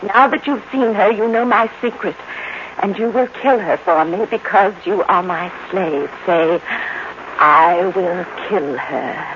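An actress playing a possessive, unstable housewife with an intense, deliberate, commanding delivery in a 1950s radio drama. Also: female voice, mid-range voice, lightly acted. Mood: jealous, menacing. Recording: dull noisy old radio recording.

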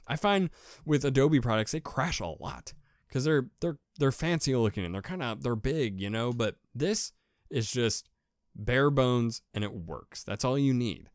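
Deep-voiced man rambling about recording. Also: dry recording, clean studio sound. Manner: rambling, enthusiastic, repeats himself. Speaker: podcaster. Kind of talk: casual how-to talk. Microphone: USB desk microphone with pop filter.

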